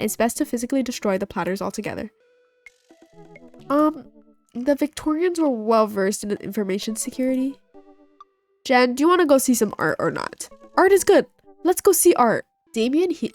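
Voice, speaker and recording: A young woman with a stuffy nose from a cold, playfully reading a dating game aloud and voicing all of its characters as she plays. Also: a little high. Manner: playful, reads characters in her own voice. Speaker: gaming video host. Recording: faint game music behind.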